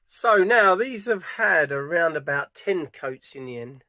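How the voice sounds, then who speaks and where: Higher-voiced British man giving a how-to. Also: lively intonation, measured pace, bright, forceful tone. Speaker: furniture polisher giving a how-to demonstration. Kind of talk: casual hands-on tutorial narration. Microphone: camera mic on a tripod, at varying distance.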